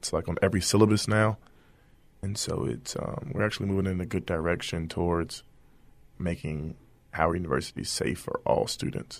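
A man talks at a fairly quick pace with lively intonation in a very deep, low voice with vocal fry. The recording is very clean, the background silent. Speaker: student government president. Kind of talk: roundtable discussion.

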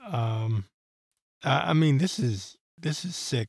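A man with a Maryland accent speaks fairly slowly at a medium pitch. His voice is somewhat breathy, and the sound is dry and close with no echo. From Maryland / DC area. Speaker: podcast host. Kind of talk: opinion commentary monologue. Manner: casual, hesitant with fillers.

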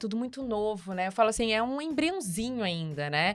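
With music in the background, a woman speaks at a fairly high pitch, her voice swinging very widely in pitch. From Cuiabá, Mato Grosso, Brazil. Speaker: business movement leader. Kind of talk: podcast interview.

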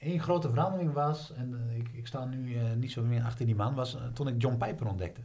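With a Utrecht accent, a man talks at a fairly quick pace with hardly any pauses, his medium-pitched voice dark, mellow and somewhat breathy, showing ordinary pitch variation amid audible room echo. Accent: Spakenburg dialect tongue, kept. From Spakenburg, Netherlands. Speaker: theologian. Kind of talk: casual chat.

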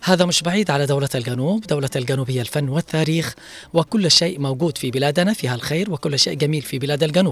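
A man with a fairly high pitch, a fairly quick pace, ordinary pitch variation and hardly any pauses, over noticeable background noise. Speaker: radio host. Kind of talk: radio call-in talk show. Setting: radio studio.

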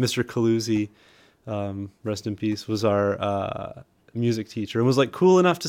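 With an American accent, a man talks in a very clean recording where the background is silent. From Geneva, New York, US. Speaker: drummer and music producer. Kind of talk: interview.

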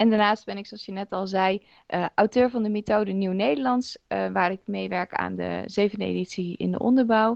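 A woman speaks at a moderate pace with hardly any pauses, her loudness swinging widely. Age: 30s. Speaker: Dutch language teacher. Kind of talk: interview. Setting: online call. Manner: hesitant, many fillers.

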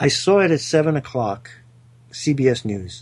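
The man speaks at a fairly high pitch. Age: 60s. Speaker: intelligence analyst and psychotherapist guest. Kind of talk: casual radio interview.

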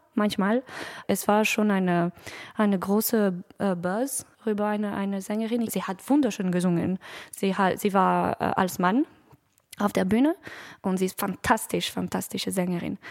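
With a French accent, a woman of medium pitch speaks with fairly even intonation and long, frequent pauses, in a dry, close sound with no echo. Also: fairly slow pace. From southern France. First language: French (speaking German). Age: 20s. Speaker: opera soprano. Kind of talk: panel discussion. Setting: guest room at the opera house. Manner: halting, hesitant.

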